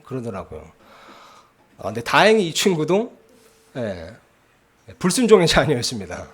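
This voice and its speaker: A man's voice: mid-range voice, huge pitch swings, moderate pace, fairly bright tone, breathy edge. A man preaching a sermon in a church, telling a story in a conversational way and often checking in with the congregation. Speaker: pastor. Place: church sanctuary.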